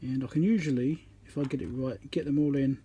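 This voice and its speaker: A man talks casually through a hands-on repair demonstration at a workbench, in a mid-pitched voice. He speaks haltingly, partly muttering to himself as he concentrates. It is picked up by a phone with faint room noise behind him. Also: steady tone. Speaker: electronics repairer, channel host. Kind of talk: casual hands-on demonstration commentary while working. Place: indoor electronics workbench. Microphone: phone on a tripod above the work. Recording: noisy room recording on a phone.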